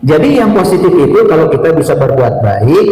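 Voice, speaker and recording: A middle-aged man giving a sermon lecture as an Islamic teacher, speaking in a deliberate, didactic way with rhetorical questions and repetition. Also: a little high, sing-song, warm tone. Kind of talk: sermon lecture to a live audience. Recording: echoey hall with long reverb.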